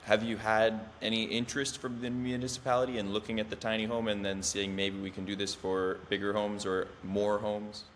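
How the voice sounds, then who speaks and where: A man's voice: lowish voice, flat delivery, brisk, few pauses, fairly bright tone, a little hiss or hum. A man hosting a podcast, asking casual interview questions and adding brief interjections. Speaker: podcast host.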